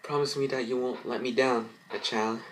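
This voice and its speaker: Guy playing a gentle motherly shop owner lady, earnest, fanfic story reading. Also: mid-range voice, steady tone, moderate pace, a little hiss or hum, natural voice, rough recording. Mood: solemn. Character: gentle, motherly female fashion designer, store owner.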